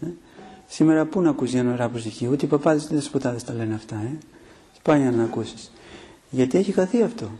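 A man preaching a sermon, teaching in a steady way with filler pauses and rhetorical questions. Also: mid-range voice, husky.

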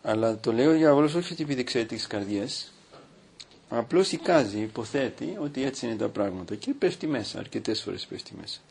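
Gravelly, husky priest preaching. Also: male voice, mid-range voice, expressive, darkish tone. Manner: reads aloud from a book, breaking off to comment. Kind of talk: sermon.

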